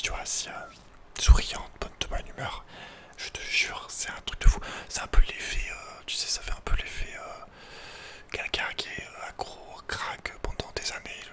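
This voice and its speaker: Male ASMR host, fully whispered, casual and halting delivery, personal advice chat. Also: pushed and bright. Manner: hesitant, halting, informal. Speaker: ASMR video creator and host.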